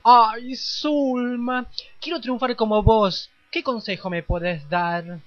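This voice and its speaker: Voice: mid-range voice, fairly even intonation, takes it slowly, no echo, natural voice. An actor voicing a campy, eager trans amateur dancer in a parody radio play, effusive and confiding. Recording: dry, dull lo-fi audio.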